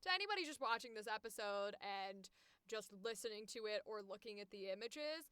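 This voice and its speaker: A woman with a naturally high, distinctive voice, chatting casually and playfully as the host of a voice acting livestream. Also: lively intonation, brisk, pushed and bright, smooth, no room sound. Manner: playful, giggly, self-mocking, chatty. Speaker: voice actor hosting a livestream series. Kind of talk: casual improvised livestream chat.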